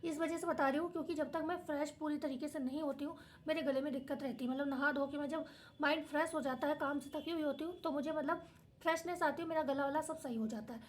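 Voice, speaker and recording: Hoarse, tired high-voiced woman teacher. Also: steady tone, fast talker. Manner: reads notice then explains in plain words. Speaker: education channel host. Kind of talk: explaining official notice to viewers.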